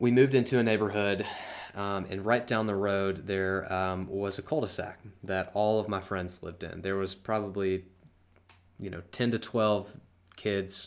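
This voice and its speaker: A man with an American accent has an ordinary speaking voice, a fairly low pitch and fairly even intonation at a moderate pace. The recording is very clean, with a silent background. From US South, Georgia. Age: 20s. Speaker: health coach, podcast host. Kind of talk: solo motivational podcast monologue.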